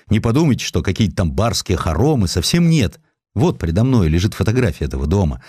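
A man narrating historical essays from a script in an expressive storytelling way, with ironic, conversational asides. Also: low-pitched, dry recording, clean studio sound. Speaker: audiobook narrator. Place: studio.

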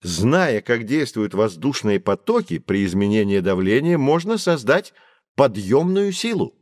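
A man playing a patient professor who explains things calmly to children in an audio drama. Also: medium pitch, measured pace, no echo. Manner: calm, lecturing explanations. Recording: dry studio recording.

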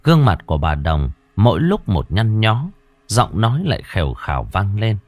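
Brief: deep, expressive male horror storyteller, suspenseful and measured. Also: dry recording. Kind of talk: ghost story narration.

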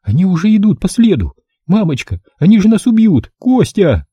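A male narrator voicing a hysterical young woman who squeals, scolds and pleads in a shrill voice. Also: very animated, normal speed, dark tone, breathy edge, no room sound, studio quality, heavily acted. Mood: pleading.

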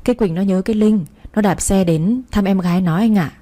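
A woman's voice: medium pitch, brisk, mellow, natural voice. A woman voicing a short-tempered mother who scolds her daughter and turns timid before her husband. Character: harsh, short-tempered mother of two girls.

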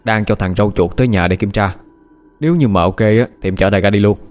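A man's voice: on the low side, fast talker, a little mellow, close to an everyday voice. A man voicing an eager, deferential young henchman.

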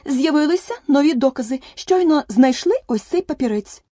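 A woman voicing a fussy, anxious male white rabbit herald in an audiobook, eager and hurried. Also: fairly high pitch, big pitch swings, mellow, slightly rough, no echo, clean studio sound, pitched above the performer's own voice. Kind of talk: audiobook character voice.

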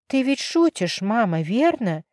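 A woman's voice: sits high, very animated, moderate pace, darkish tone, no room sound, pitched above the performer's own voice. A woman voicing a young daughter who pleads in tears, in a dry recording. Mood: desperate. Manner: pleading, tearful. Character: desperate young woman, a daughter facing a forced marriage.

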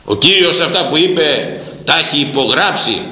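A man preaching a sermon in a fiery, repetitive way, breaking into sudden loud bursts. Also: a little high, lively intonation. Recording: roomy echo.

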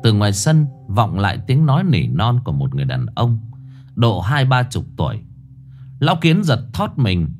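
A man's voice: lowish voice, darkish tone. A man narrating a ghost story in a dramatic, suspenseful way.

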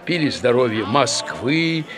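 A man narrating a literary radio play in a measured, expressive storytelling manner. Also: medium pitch.

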